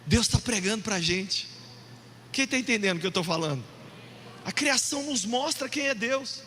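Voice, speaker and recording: Energetic man preaching, lively swooping delivery, booming church reverb. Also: moderate pace, a little hiss or hum. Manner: animated, jokey, shouts for emphasis. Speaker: pastor. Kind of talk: sermon. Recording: long hall reverb.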